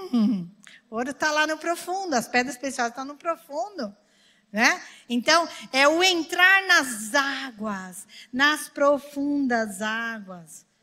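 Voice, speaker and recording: A woman's raised, projected voice at a high pitch and very slow pace, bright and sharp in tone, with lively intonation, big swings in loudness and a quiet background. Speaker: pastor. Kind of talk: sermon. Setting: church. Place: church. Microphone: handheld.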